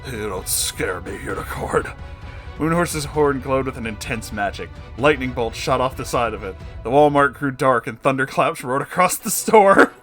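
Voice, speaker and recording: A man's voice: mid-range voice, lively intonation, moderate pace, few pauses, fairly bright tone. Male storyteller with dramatic comic delivery, music behind. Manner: amused, breaking into laughing asides. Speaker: narrator, story reader. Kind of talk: dramatic comedic story narration.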